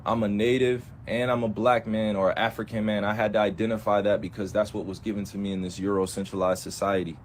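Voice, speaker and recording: A man's voice: on the low side, flat delivery, fast, hardly any pauses, a little hiss or hum. A young man speaking with passion on a livestream, emphatic and full of repeated rhetorical questions. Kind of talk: impassioned livestream talk.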